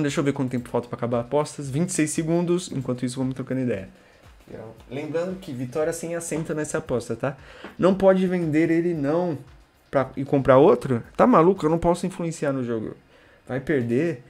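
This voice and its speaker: With a mid-range voice, a young man with a Brazilian Portuguese accent comments on his game stream in casual slang, banters with viewers, and suddenly shouts.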